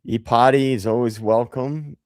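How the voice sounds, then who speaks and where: A man hosting a casual livestream, hoarse after a gig, talking loosely and swearing as he jokes with chat. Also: medium pitch, fairly even intonation, normal speed, a little mellow, dry recording, clean studio sound. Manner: loose and profane, jokey. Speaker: livestream host.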